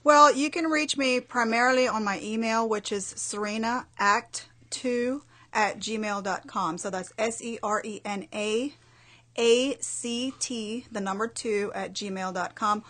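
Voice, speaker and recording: A woman's voice: a little high, unhurried, sharp tone. Actress guest, woman, from Belize; eager, detail-heavy answers with restarts. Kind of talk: radio interview answers.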